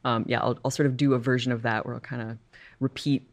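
A woman in her thirties from Michigan, a guest on a casual chat podcast, playful and animated. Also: rumbling low, fast talker.

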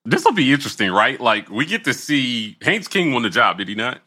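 A man's voice: mid-range voice, big pitch swings, a little fast, sharp tone, slightly rough. A man chatting casually and animatedly about sports as a podcast co-host.

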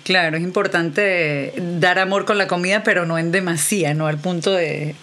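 Woman host, from Venezuela, lower voice, friendly interview questions. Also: normal speed, fairly bright tone.

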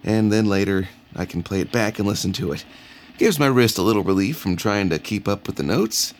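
A man's voice: fairly low pitch, lively intonation, a little fast, slight background noise. An actor playing a nervous young male anthropology professor who hesitates and fumbles. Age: young adult. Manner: hesitant, fumbling, full of uhs.

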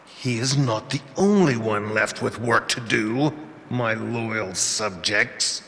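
An actor playing an ancient, imperious fairy lord in a fantasy audio drama, haughty, theatrical and commanding. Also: male voice, fairly low pitch, takes it slowly, fairly bright tone, slight background noise. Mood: stern. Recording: long cavernous reverb.

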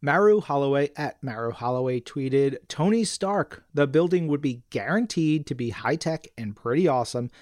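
A man's voice: mid-range voice, lively intonation, moderate pace, hardly any pauses, darkish tone, no room sound, clean studio sound. A man co-hosting a casual comics fan podcast, chatting enthusiastically and reading out listener messages. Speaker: podcast co-host.

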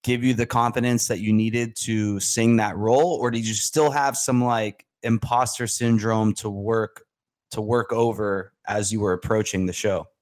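A male podcast host with a lowish voice asks long, winding questions. He sounds encouraging and keeps checking in with his guest. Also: fairly even intonation, normal speed, a little mellow. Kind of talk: interview questions.

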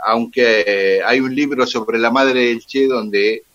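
Radio guest: Argentine man, mid pitch, patient detailed storytelling, dull lo-fi broadcast. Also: slow. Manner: detailed, steady, with "eh" and "este" fillers.

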